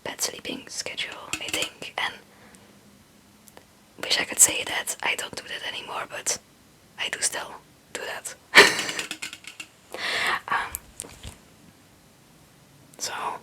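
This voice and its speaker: A young woman, a native Dutch speaker, whispering breathily in a rambling, halting, casual ASMR chat. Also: sharp tone. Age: young adult. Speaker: ASMR video creator.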